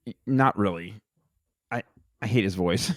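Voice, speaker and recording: A man's voice: fairly low pitch, measured pace. A man co-hosting a comedy podcast, throwing in absurd sarcastic one-liners. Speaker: podcast co-host. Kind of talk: casual comedic podcast banter.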